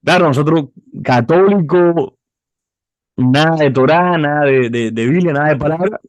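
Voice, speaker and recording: A man's voice: fairly high pitch, normal speed, no echo. A man in his twenties with a Cuban accent, a youth pastor telling his life story in an interview, often restarting and repeating words as he goes. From Cuba. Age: 20s. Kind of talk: personal testimony interview.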